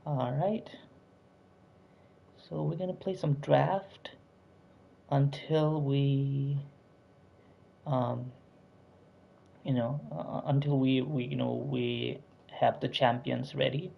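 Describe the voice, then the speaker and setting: A man's voice: mid-range voice, slow pace, creaky, long pauses, husky, dull audio. A man hosting a casual live stream with a sore throat, chatty and pleading with viewers to like and subscribe, with lots of fillers.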